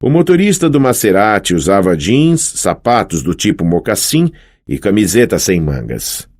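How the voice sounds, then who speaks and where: A man narrating a novel in first person. His voice is very low, yet his delivery is expressive and rises and falls a lot in pitch. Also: moderate pace. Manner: expressive storytelling. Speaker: audiobook narrator.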